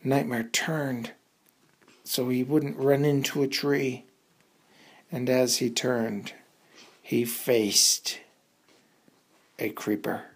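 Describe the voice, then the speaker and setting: A woman's voice: extremely low pitch, fairly even intonation, drawn-out words, long pauses, breathy edge. A woman telling a suspenseful bedtime story for children in a dramatic, improvised way, repeating words for effect.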